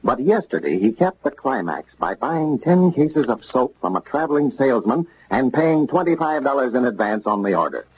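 A man's voice: medium pitch, big pitch swings, normal speed, few pauses. A man announcing a 1940s radio comedy show, introducing it and reading the sponsor's message in a friendly, folksy way. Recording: dull old radio recording with faint hiss.

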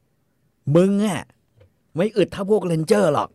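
A man's voice: a little high, expressive, moderate pace, dry recording, studio quality, pitched above the performer's own voice. A man voicing a boastful, arrogant Texas ranger who talks down to others coarsely. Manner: bragging, scornful, coarse.

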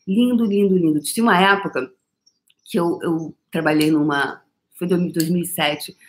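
A woman from Brazil hosting a live stream workshop, talking in a playful, animated way, laughing often and repeating chant-like phrases. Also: on the low side, moderate pace, a little hiss or hum. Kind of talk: casual spiritual coaching live stream.

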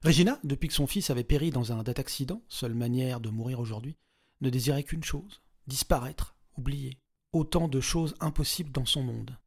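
Man reading a dark story dramatically. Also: medium pitch, moderate pace, gravelly, slightly rough. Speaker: narrator. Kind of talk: scripted story narration.

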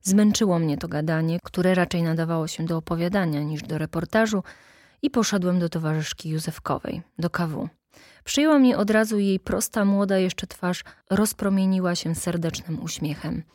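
A woman reading a literary story in measured, scripted narration. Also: on the low side, darkish tone, dry recording, studio quality. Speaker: audiobook reader.

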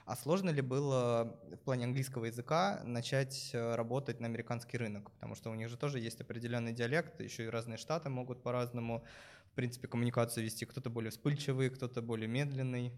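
A man's voice: medium pitch, fast. A man interviewing a guest, musing aloud with some fillers before asking his questions.

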